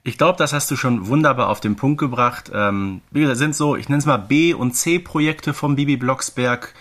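Mid-pitched man chatting as podcast co-host. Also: moderate pace, a bit bright. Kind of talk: casual fan podcast chat.

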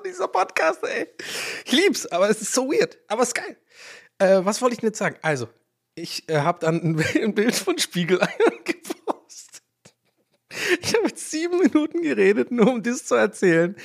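A man born in Ireland, whose first language is English, chats on his own podcast at an ordinary middle pitch. He rambles, drifts off his point and laughs at his own slips. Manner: rambling, loses his thread, laughs at himself. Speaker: podcast host. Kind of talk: casual solo podcast chat.

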